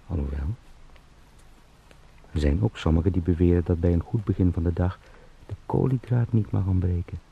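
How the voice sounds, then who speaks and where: An anxious travelling salesman in a radio play, his voice very low and creaky. He mutters to himself in halting, repeated phrases, over faint noise. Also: warm tone, lo-fi sound, heavily acted. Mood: self-persuading. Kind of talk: radio drama monologue.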